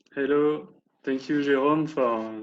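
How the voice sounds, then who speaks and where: In a French accent, a man reads at a very slow pace with fairly even intonation and fairly high pitch, amid audible room echo. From France. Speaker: fitness trainer and civil engineer. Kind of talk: interview. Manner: halting.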